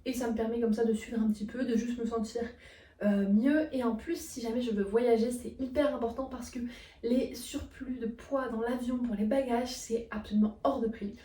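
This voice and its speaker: A woman's voice: on the high side, fairly even intonation, normal speed, dark tone. A young woman from France with a French accent, chatting casually and enthusiastically through a tour of her small student bedroom. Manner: chatty, many fillers, enthusiastic. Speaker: vlogger. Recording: roomy, from a distance, faint noise.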